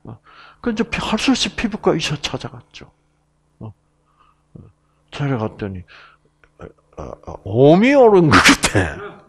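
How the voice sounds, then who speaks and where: A man's voice: fairly high pitch, wildly swooping pitch, a little slow, long pauses, fairly bright tone. A middle-aged man with a Gyeongsang Korean accent, giving a Bible lecture in a chatty storytelling way with many fillers and asides. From Gyeongsang province, Korea. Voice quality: gravelly and husky. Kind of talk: relaxed anecdotal Bible lecture.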